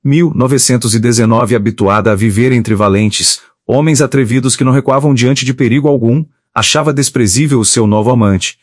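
A man's voice: mid-range voice, fairly quick, hardly any pauses, no room sound, studio quality. Man reading an audiobook. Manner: steady literary reading. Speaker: audiobook narrator. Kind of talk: scripted narration.

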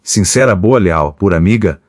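A man's voice: low-pitched, lively intonation, normal speed, dry recording, studio quality. A man reading the lines of an earnest, lovesick male engineer in a pleading, heartfelt way.

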